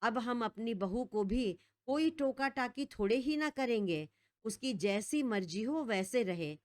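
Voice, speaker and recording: A woman's voice: fairly high pitch, lively intonation, measured pace, darkish tone, no echo, studio quality. A woman voicing a flustered, gossipy older village aunt who talks in a rustic, fawning way. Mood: nervous, fawning. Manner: rustic dialect speech, nervous fawning.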